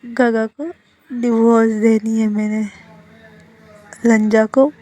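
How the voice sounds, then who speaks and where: A heartbroken young man who has had a drink, dragging out his words in a slow, mournful slur, as a woman reading the story puts him on. The voice is slightly high. It stays near the reader's own voice. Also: fairly even intonation, mellow. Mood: drunk.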